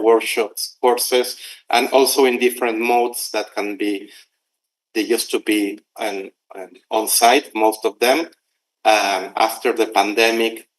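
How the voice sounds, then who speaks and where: A middle-aged man from Argentina, giving a conversational conference presentation and pausing at times to find words. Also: fairly low pitch, poor audio. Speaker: conference speaker.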